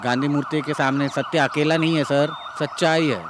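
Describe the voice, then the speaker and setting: A man's voice: on the high side, steady tone, fairly quick, noisy background, close to an everyday voice. A man dubbing a loyal constable who speaks respectfully to his superior. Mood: earnest. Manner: earnest, respectful. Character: loyal male constable who believes in Satya. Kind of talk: Hindi film dub.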